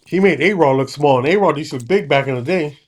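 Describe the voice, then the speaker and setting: A man's voice: a little high, fast. A man co-hosting a sports podcast, chatting casually with short, laid-back reactions. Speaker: podcast co-host.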